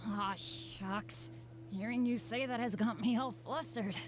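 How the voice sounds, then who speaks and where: A woman's voice: a little high, unhurried, lightly acted. A woman voicing an eager, unlucky, self-deprecating teenage boy adventurer in a video game, with an earnest, boyish, hesitant delivery. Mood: flustered delight. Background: game music.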